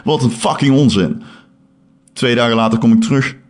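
A man chatting casually as a podcast host, an animated storyteller who swears freely. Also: medium pitch, moderate pace. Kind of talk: casual chat.

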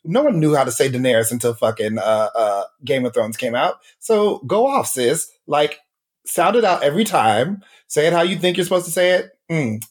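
A man's voice: on the high side, lively intonation, moderate pace. A man co-hosting a podcast, ranting in an exasperated, profane way. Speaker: podcast co-host. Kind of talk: casual chat.

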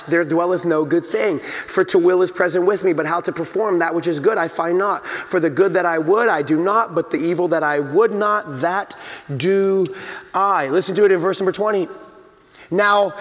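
High-voiced preaching pastor in a reverberant hall. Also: male voice, fairly bright tone. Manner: emphatic preaching, acts out inner voices. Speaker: senior pastor. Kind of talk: sermon. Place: church sanctuary.

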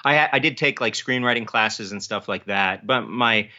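A man speaking as an interview guest, an author talking casually in halting, self-correcting phrases. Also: mid-range voice, sharp tone. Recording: dull, band-limited audio.

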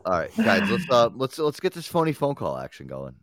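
A man's voice: fairly low pitch, huge pitch swings, a little fast, fairly bright tone, dry recording. Brash man hosting a chat show. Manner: brash, laughs often, bossy with co-host. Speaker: host. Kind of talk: casual radio-style show with ad reads.

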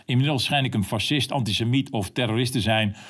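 A man's voice: mid-range voice, fairly quick, a bit bright. Sarcastic Dutch-speaking columnist man. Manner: sarcastic, combative delivery. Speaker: columnist reading his column. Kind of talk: spoken opinion column.

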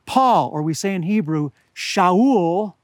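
A high-voiced older man preaches outdoors, his voice a little hoarse and scratchy. He speaks earnestly and deliberately, slowing to press home important words, and the sound is dry and close with little reverb. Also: lively intonation. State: slightly hoarse. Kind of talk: outdoor sermon. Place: outdoors among pine trees at high altitude.

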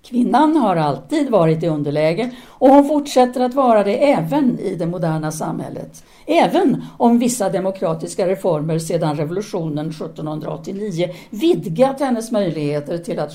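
A woman's voice: on the low side, animated, few pauses, warm tone. An actress playing a self-assured, seductive intellectual woman, a didactic and teasing free thinker in an audio drama. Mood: firm, didactic.

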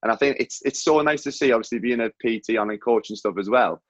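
A man hosting a podcast in casual chat, calling his guest mate, his voice coming through low-quality, lo-fi audio from a faulty mic and a weak connection. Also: fast, no room sound. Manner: chatty, friendly, calls the guest mate. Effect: low-quality audio from a faulty mic and wifi. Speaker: podcast host. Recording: dull, lo-fi, dry mic audio.

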